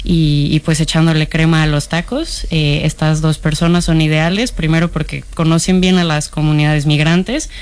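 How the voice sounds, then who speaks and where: A woman's voice: sits low, fairly even intonation, moderate pace, hardly any pauses, smooth. A Mexican woman with a Mexican accent, a journalist chatting casually on radio, hesitant with many fillers. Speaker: journalist, regular contributor. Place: radio studio.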